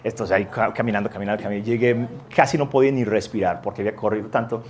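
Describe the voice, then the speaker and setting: A man's voice: fairly low pitch, very fast, slight background noise. Man preaching through a self-mocking story. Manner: animated, self-mocking anecdote with lively voiced quotes. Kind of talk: storytelling sermon.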